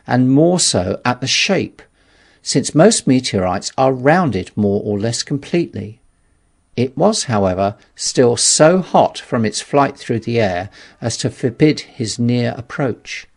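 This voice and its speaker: Male narrator for a classic novel: creaky, rough-edged voice, mid-pitched, measured and dramatic delivery. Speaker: audiobook narrator. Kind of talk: scripted literary narration.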